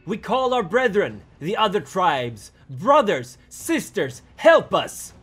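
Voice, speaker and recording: Ancient tribal caller , male narrator, urgent pleading declamation, forceful and widely swooping. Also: fairly high pitch, big pitch swings, slow pace, faint music behind, voice pushed up, full character voice. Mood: desperate. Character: ancient tribal voices desperately summoning their brethren. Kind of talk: dramatic audiobook-style character acting.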